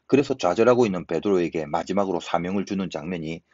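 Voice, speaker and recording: A man's voice: low-pitched, fast, a little mellow, no echo, lo-fi sound. A pastor in his fifties preaching an earnest sermon, asking the listeners rhetorical questions.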